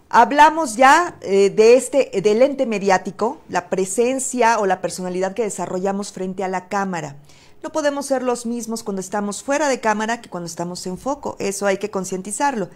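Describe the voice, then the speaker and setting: A woman with a Mexican Spanish accent giving a webinar lesson as a voice coach, speaking in a didactic, emphatic way with rhetorical questions and fillers. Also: medium pitch. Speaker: presenter and voice coach.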